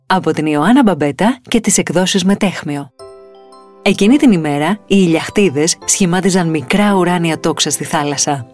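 A woman reading a children's picture book aloud in an expressive, lilting storytelling voice. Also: fairly low pitch, soft background music.

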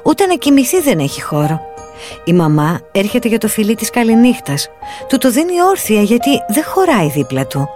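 Woman storyteller, lively pitch, expressive reading, faint music behind. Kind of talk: children's story narration. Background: soft music.

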